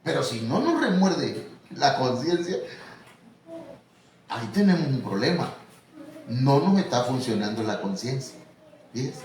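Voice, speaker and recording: A man's voice: mid-range voice, big pitch swings, measured pace, long pauses, darkish tone. A man with a Mexican Spanish accent, a pastor preaching a sermon in a conversational, storytelling way, calling his listeners brother. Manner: conversational, tells anecdotes, addresses listeners as hermano. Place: church hall. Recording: echoey hall from far off, faint noise.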